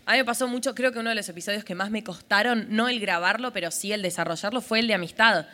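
A woman's voice: mid-range voice, fast, pushed and bright. A woman with a Rioplatense accent hosting a live podcast on a festival stage, talking in a rambling way full of fillers. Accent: Rioplatense Spanish. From Argentina. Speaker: podcast host.

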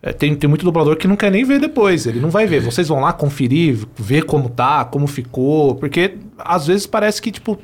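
A man hosts a podcast with a somewhat high, fast voice, firing off casual, slangy questions. His talk is loose and relaxed. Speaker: podcast host. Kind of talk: casual chat.

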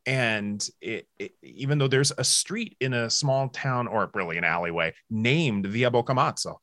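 A man from the United States on a casual panel chat, speaking in a hesitant way with halting restarts. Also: mid-range voice, animated, fairly bright tone, no room sound, studio quality.

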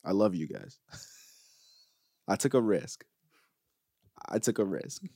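A man's voice: low voice, sing-song, slow pace, gravelly, warm tone, no room sound, studio quality. A man co-hosting a podcast in casual chat, laid-back and joking, often restarting his sentences. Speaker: podcast co-host.

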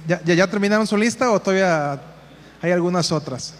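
In a reverberant hall, a man with a high voice and a Mexican Spanish accent briskly leads parents through a live group exercise. As the workshop facilitator, he is directive, giving instructions, repeating them, and calling people by name.

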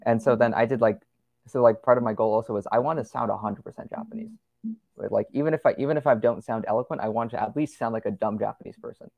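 A man's voice: medium pitch, quick pace, gravelly, dry recording, phone-quality sound. A young man as a podcast guest, chatting casually and rambling with lots of fillers and restarts. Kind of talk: casual conversational interview.

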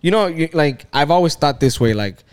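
A man's voice: a little high, lively intonation, a little fast, darkish tone, clear, resonant tone. A man in his thirties in a casual chat, rambling along with lots of swearing and filler words. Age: 30s.

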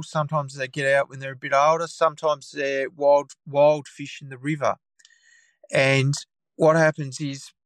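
An Australian man with a croaky voice from a cold talks through a long explanation at a steady middle pitch, circling back and restarting his sentences. The sound is dry and close, with no room around it. He talks easily, as if chatting with a mate. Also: no echo. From Tasmania, Australia. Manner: rambling explanations with many restarts and fillers. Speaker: guest taxidermist. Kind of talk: casual podcast chat.

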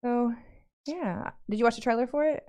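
A woman co-hosting a casual podcast, speaking with a lisp. Her voice is smooth and resonant. She talks chattily, packs in many fillers and giggles easily. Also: on the high side, normal speed, darkish tone. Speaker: podcast co-host. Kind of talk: casual chat.

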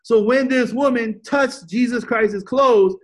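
Male pastor, high voice, emphatic preacher who repeats key points. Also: takes it slowly. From United States. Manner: emphatic, repeats points, asks the audience questions. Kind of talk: sermon.

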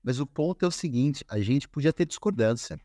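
A man speaking as a podcast guest, easygoing and chatty, stumbling over his words and starting again as he tells his stories. His voice sits at a middle pitch for a man and comes across dry and close to the mic. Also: a little fast, dry recording. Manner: relaxed storytelling with many restarts and filler. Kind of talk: casual conversation.

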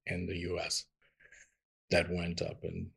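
A man's voice: low-pitched, monotone, unhurried, creaky, a bit bright, slightly rough. A middle-aged man from Austria, telling his story as a podcast guest in an earnest, rambling way with many ums. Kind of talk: interview conversation.

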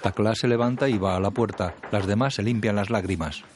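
A man reading scripted audio description of a film in a calm, neutral way. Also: on the low side, fairly quick. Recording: narration over noisy film soundtrack with crowd.

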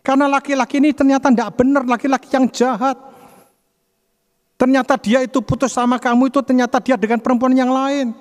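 A man's voice: extremely high pitch, level tone, fairly quick, long reverb tail, pitched above the performer's own voice. A man voicing a concerned church friend who blurts out news urgently.

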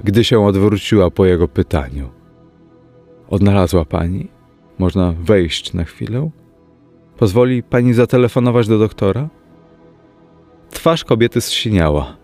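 A man reading a ghost story aloud as a measured audiobook narrator, dropping to a hush in places. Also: deep voice. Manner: slow, measured storytelling with hushed dips. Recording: faint music underneath.

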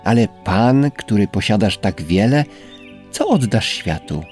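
A man voicing a gentle, humble female rose in a storybook reading, speaking softly and tenderly, in a voice raised well above his own. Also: on the low side, lively intonation, measured pace. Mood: earnest. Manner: soft, wondering, tender. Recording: faint background music.

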